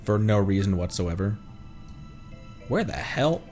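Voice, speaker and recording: A man doing casual live game stream commentary, excitable, exclaiming and thinking out loud as he plays. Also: on the low side, a little slow, soft background music. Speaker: streamer, VTuber.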